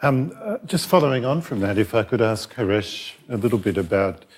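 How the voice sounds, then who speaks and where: A man's voice: fairly low pitch, lively intonation, brisk. Hesitant Australian man moderating. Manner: hesitant, many ums and rephrasings. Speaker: professor moderating a panel. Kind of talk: moderating a panel discussion. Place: theatre stage at a public event. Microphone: microphone.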